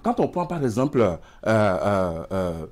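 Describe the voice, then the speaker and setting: In a TV studio interview, a middle-aged guest who is an emigration expert speaks with a West African French accent into a lapel mic. His voice is lowish and darkish, a bit slow, with big pitch swings. He gestures widely and stumbles over words he repeats.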